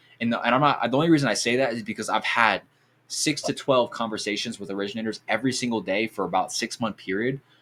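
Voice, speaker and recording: A man's medium-pitched voice in a bright, sharp tone, at a very fast pace with ordinary pitch variation, in a very clean recording with a silent background. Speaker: mortgage business co-founder. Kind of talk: sales pitch. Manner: casual, halting with fillers.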